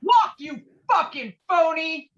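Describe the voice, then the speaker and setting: A combative, profane war veteran acted by a woman in a script read-through. The voice is high and very animated, heard through a slightly dull call connection. Every point is pushed hard and stubbornly. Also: takes it slowly, full character voice. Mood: belligerent. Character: Walter, hot-tempered, stubborn, bullying male war veteran. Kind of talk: virtual table read of a film script. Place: remote video call.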